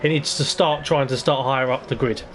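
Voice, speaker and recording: A man's voice: mid-range voice, steady tone, fairly quick, a bit bright, slight background noise. Rambling male sim-racing commentator. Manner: rambling and hesitant, lots of ums. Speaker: lead commentator of an online racing league. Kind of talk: casual race-preview commentary.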